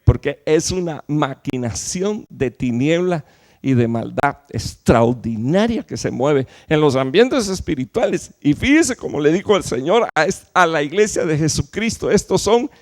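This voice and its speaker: A man preaching a sermon to his church, emphatic, with rhetorical questions and sudden loud peaks followed by low, quiet drops. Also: expressive, measured pace. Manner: fillers and restarts while explaining. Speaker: pastor.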